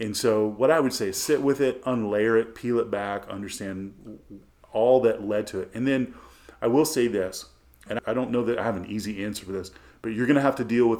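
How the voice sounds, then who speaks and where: This man has an unremarkable speaking voice with a fairly low pitch and ordinary pitch variation. He talks at a fairly quick pace. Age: 50s. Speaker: podcast co-host and pastor. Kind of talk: casual chat. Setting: in person at a church conference.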